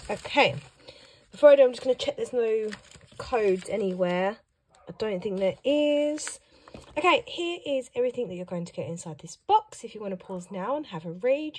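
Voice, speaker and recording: A woman who teaches young children, chatting upbeat through an unboxing vlog while hoarse and losing her voice. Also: medium pitch, darkish tone. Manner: chatty and upbeat, reacting to each item. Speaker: primary school teacher and vlogger. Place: at home.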